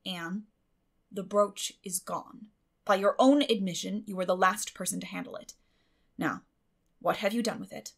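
A strict middle-aged farm woman, put on by a female narrator, stern and suspicious. Her delivery is sharp and clipped, with a creaky edge, as in a classic storybook. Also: mid-range voice, normal speed, long pauses. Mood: firm, accusing. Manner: sharp, grim, clipped scolding.

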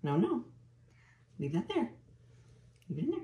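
A woman's voice: mid-range voice, huge pitch swings, normal speed, dark tone. Sing-song mom coaxing her toddler in a kitchen. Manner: patient, sing-song coaxing of a small child. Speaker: vlogger cooking with her toddler. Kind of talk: casual kitchen chat with a toddler. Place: home kitchen, indoors. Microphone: camera on the kitchen counter. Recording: roomy kitchen echo with clear background noise.

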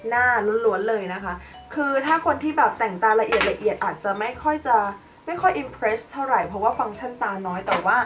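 A young woman vlogger chats through a casual makeup tutorial, her expressive voice sitting on the high side and moving fairly quickly with few pauses. Light background music plays, and her voice is a bit far from the mic.

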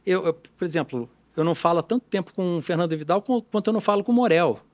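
A man, a guitar tech shop owner talking as a guest in a casual podcast conversation, animated and full of restarts. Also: sits high, fast talker. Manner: animated, talkative, with frequent restarts.

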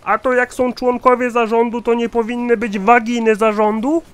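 A man's voice: very high voice, flat delivery, moderate pace, clear, resonant tone. A man voicing a shady, dim-witted chief accountant in a satirical cartoon, officious and formal. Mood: baffled.

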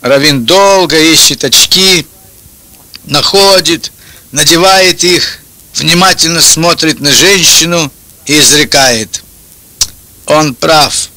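An older man tells short jokes one after another. His voice sits a little high and is strikingly bright and tense. The sound is dry and close to the microphone. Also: takes it slowly, pauses often, no echo, low-quality recording. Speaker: joke teller. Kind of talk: telling short jokes and anecdotes. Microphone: handheld-type microphone held close, headphones on.

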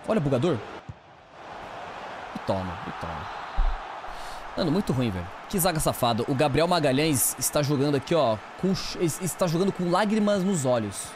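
Excitable Brazilian gamer with a lively voice. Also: male voice, fairly high pitch, a little hiss or hum. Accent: Brazilian Portuguese. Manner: excitable, shouts at players, slangy banter. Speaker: gaming streamer. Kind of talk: live gameplay commentary.

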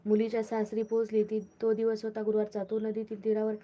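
Flat, dark-voiced woman storyteller. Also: mid-range voice, quick pace, dull audio. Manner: steady, plain recitation with small restarts. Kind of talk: reading a devotional folk tale aloud.

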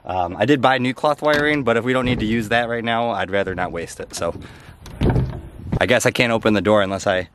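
A young homestead vlogger talks briskly in a lowish, fairly bright voice, with a little background noise. Holding his camera at arm's length, he chats and explains step by step, moving between a snowy yard and the inside of a house.

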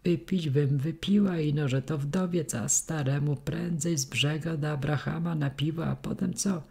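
A woman's voice: sits low, moderate pace, creaky, a little mellow. A woman voicing a shrewd, wary old peasant mother who speaks plainly, in an audiobook reading.

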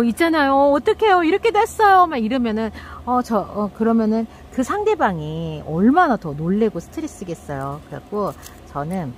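A woman's voice: fairly low pitch, a little hiss or hum. A middle-aged woman hosting a succulent channel, chatting casually while tending her plants and acting out quoted thoughts.

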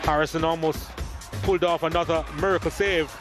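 A man commentating football match highlights in a lively, emphatic play-by-play manner. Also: fairly quick. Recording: voice-over with music underneath.

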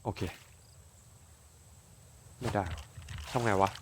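A man doing casual let's-play commentary, cursing freely, bursting out excitedly and talking to his game character like a friend. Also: extremely slow, a little hiss or hum. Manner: crude, swears a lot, excitable outbursts; talks to his game character as if to another person. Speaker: gaming YouTuber.

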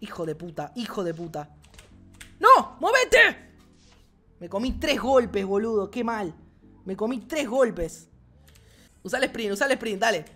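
A man with an Argentine accent giving excited gameplay commentary as a gaming channel host, swearing and shouting often. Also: sits high, moderate pace, faint music behind. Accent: Argentine Spanish.

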